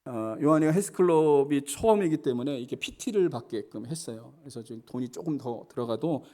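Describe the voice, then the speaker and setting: This middle-aged male pastor preaches earnestly, often calling out to his congregation and shifting between loud, emphatic preaching and quiet storytelling. His pitch is medium, his intonation lively, and he talks fairly quickly.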